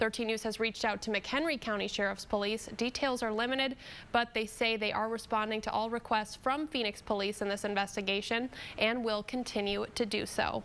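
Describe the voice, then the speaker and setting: Here is a woman with an unremarkable speaking voice and a fairly high pitch. Her loudness stays very even. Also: fairly even intonation, fairly quick pace. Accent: American. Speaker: television news anchor. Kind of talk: TV news anchor delivery.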